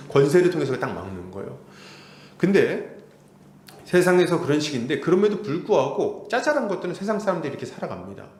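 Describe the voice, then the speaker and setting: A man's voice: on the high side, a little mellow. A male pastor preaching an expository sermon, asking the congregation rhetorical questions and acting out quarrels in quoted voices. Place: church sanctuary. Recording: echoey church hall.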